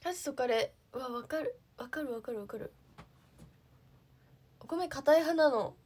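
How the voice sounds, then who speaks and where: A woman's voice: sits high, a little slow, a little mellow, slightly rough. A young woman, an idol, chatting casually on a livestream, answering viewer comments and thinking aloud with lots of fillers.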